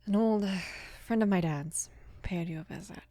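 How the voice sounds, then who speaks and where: A woman of about twenty playing a mafia boss's protective, casual daughter in an intimate ASMR roleplay, speaking softly and unhurriedly, often slipping into a whisper. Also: no echo, lightly acted. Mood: gentle, concerned. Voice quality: soft, breathy whispering mixed with low murmur. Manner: hesitant, unhurried, casual with small pauses. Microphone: close microphone, dry.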